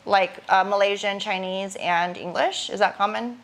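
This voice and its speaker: A woman's voice: medium pitch, moderate pace. A woman co-hosting a casual podcast, asking playful, teasing questions. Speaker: podcast co-host.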